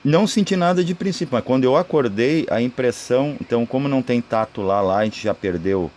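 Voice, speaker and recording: Brazilian male, mid-pitched, informal spiritual teacher, rambling explanations with frequent checking tags, faint noise behind. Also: expressive, a little fast, darkish tone. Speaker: spiritual video creator. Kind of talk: informal spoken esoteric teaching.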